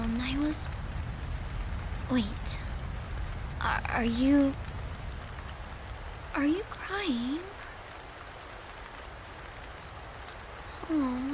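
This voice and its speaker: A woman playing a worried, tender girlfriend in an intimate audio roleplay, speaking softly and coaxingly, with some hesitation. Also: sits high, background noise. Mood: worried, pleading. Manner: soft, coaxing, hesitant, sometimes whispery.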